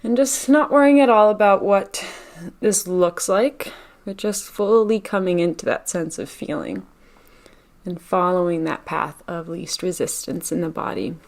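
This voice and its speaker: A woman with a somewhat low voice leads a meditation session, speaking gently and unhurriedly. She delivers her instructions in short phrases separated by generous pauses.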